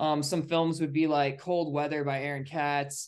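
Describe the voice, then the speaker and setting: Over a quiet background, a man with an American accent and an ordinary speaking voice talks at a moderate pace and a fairly high pitch. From Oregon, US. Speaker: actor, writer and film producer. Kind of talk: interview.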